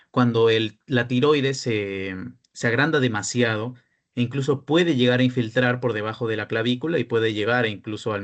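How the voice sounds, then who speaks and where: A young man with a Peruvian Spanish accent, a peer tutor giving an online class lecture, explaining step by step and often checking in with the students. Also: medium pitch.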